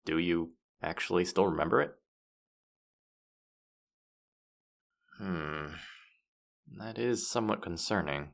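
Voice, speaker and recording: A man plays a smug demon guide of the afterlife in a fantasy audio drama. His voice sits very low with a gravelly fry, and he takes his time over each line. He is playful and teasing, quick to boast and to act wounded. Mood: concerned. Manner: playful, smug, mock-offended, hesitating mid-thought. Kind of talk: scripted character audio roleplay addressed to the listener.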